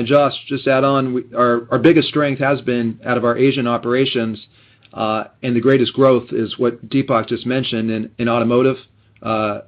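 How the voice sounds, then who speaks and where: A man speaking as a company executive, giving measured, businesslike answers on a muffled conference line. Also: medium pitch. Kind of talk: unscripted answers on an earnings call.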